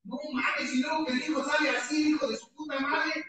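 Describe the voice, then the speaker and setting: A man's voice: very high-pitched, fairly even intonation, a little fast, sharp tone. A man with a Mexican accent giving an impassioned, heavily profane testimony at a support-group meeting, his voice often breaking. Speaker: recovering alcoholic giving testimony. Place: meeting hall with an audience. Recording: echoey hall, mic far off, crowd behind.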